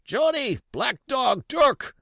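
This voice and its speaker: A man's voice: very high voice, sing-song, slow, vocal fry, a bit bright, no echo, clean studio sound, voice pushed up, exaggerated voice. A man voicing an old pirate who cries out desperately to his comrades in an audiobook. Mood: frantic pleading. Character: old male pirate, abandoned, frantic and pleading. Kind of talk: audiobook character voice.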